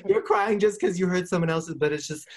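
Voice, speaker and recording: A man's voice: sits high, brisk. A young man co-hosting a podcast, chatting openly about feelings and breaking into laughter often. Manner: candid, emotional, laughs easily. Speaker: podcast co-host. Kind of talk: casual chat.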